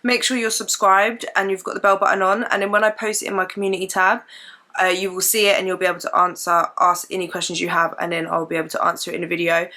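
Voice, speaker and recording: Young woman vlogger, hoarse and croaky, bright forward tone, rambling casual chat at home. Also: lowish voice, flat delivery, fast. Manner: chatty, rambling, lots of fillers. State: hoarse and croaky from a chesty cough. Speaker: beauty and fitness vlogger. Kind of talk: casual chat while doing makeup. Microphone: camera mic, sitting in front of camera.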